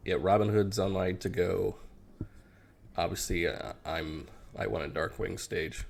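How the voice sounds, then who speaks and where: A man's voice: sits low, fairly even intonation, unhurried, creaky, a little hiss or hum. A man co-hosting a podcast in casual, jokey banter. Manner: jokey, swearing. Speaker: podcast co-host.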